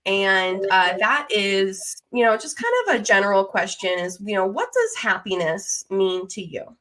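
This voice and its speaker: Female podcast host, mid-pitched, conversational and supportive, informal interview delivery. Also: lively intonation, measured pace, a bit bright. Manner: encouraging, supportive. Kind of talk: casual interview chat.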